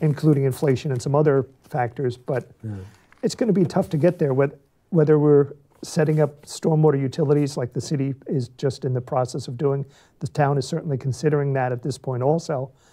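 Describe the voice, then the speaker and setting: Over a quiet background, a man talks at a fairly quick pace in a dark, mellow, somewhat breathy tone with fairly even intonation. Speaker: guest. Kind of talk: interview answer. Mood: friendly, relaxed. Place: studio.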